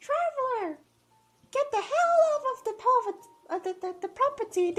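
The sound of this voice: At a moderate pace, a woman uses a put-on character voice pitched extremely high.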